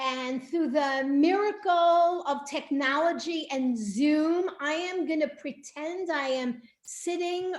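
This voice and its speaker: Loud woman's speech at a very slow pace, with lively intonation. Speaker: nonprofit chapter chair. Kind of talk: event hosting on video call. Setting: video call.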